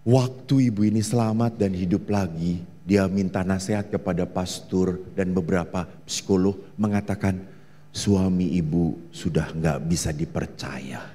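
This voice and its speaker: A man's voice: measured pace, big-room sound. A male Catholic priest with an Indonesian accent giving a sermon, questioning the congregation and acting out story voices. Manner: lively preaching, questions to the congregation; acts out story voices with big pitch leaps.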